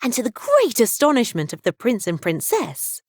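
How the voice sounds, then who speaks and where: Expressive woman audiobook narrator, very lively pitch. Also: moderate pace, slightly rough, dry recording, studio quality. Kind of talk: expressive scripted storytelling.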